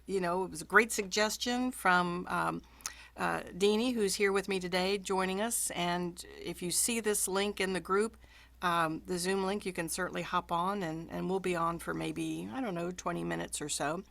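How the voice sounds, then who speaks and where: A woman's voice: on the low side, steady tone, moderate pace, vocal fry, a bit bright. A woman audiobook narrator hosting a casual video call chat, talking with plenty of ums and friendly encouragement.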